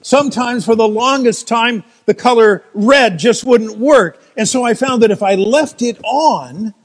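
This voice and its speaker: American preacher guy, pretty high voice, jokey storytelling sermon, lots of reverb. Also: measured pace. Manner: storytelling with playful asides. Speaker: pastor. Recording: long reverb in a large room.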